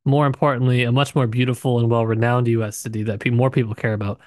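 Male co-host, medium pitch, informal and slightly hesitant conversational delivery, dry room sound. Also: little pitch movement, quick pace, darkish tone, dry recording. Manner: informal, hesitant, hedging with asides. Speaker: podcast co-host. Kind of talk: casual book discussion.

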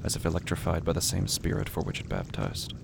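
A man narrating a horror audio drama in a brooding, measured, dramatic literary style with a gravelly voice. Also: low voice, very animated, exaggerated voice. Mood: somber. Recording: loud background noise with crickets.

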